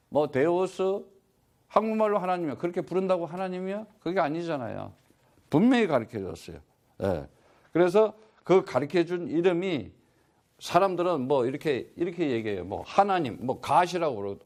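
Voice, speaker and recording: Animated preaching man, lively pitch. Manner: animated teaching, rhetorical questions answered himself. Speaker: missionary preacher. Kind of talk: sermon.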